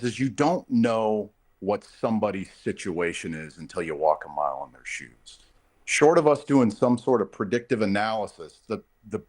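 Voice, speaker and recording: A man speaking as a union representative in a live news interview, explaining things emphatically and off the cuff. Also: fairly low pitch. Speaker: air traffic controllers' union representative, interview guest.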